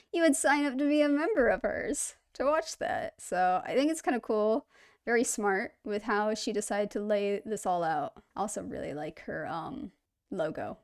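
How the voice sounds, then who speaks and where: A woman's voice: medium pitch, normal speed. A woman hosting a reaction video, chatting casually in an upbeat, rambling way and poking fun at herself.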